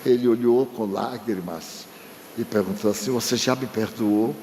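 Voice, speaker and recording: A man's voice: on the low side, moderate pace, dark tone. An older Brazilian man giving a spiritist talk, telling a personal story with emotion and acting out his father's words to the audience. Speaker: spiritist speaker. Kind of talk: storytelling lecture. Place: large lecture hall. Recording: long reverb from a hall, faint noise.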